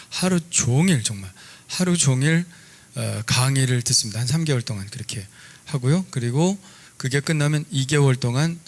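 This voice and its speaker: A middle-aged man, a pastor, preaching a sermon in a relaxed, conversational storytelling way with lively asides. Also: mid-range voice.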